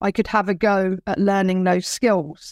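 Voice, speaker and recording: In an English accent, a woman talks at a moderate pace on a very clean recording with a silent background and a dry, close sound with no echo. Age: 40s. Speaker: adventurer and charity founder. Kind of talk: interview.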